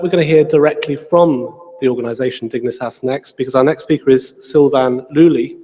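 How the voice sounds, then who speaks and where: A man chairing a panel, introducing the next speaker in a soft, gentle way. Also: mid-range voice. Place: public lecture hall. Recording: reverberant lecture hall.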